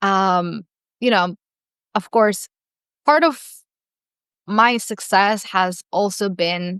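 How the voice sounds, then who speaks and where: A woman with a Mexican accent speaks at a very slow pace, her medium pitch showing ordinary variation. The sound is dry and close with no echo, over a quiet background. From Mexico. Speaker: career coach. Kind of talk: podcast interview.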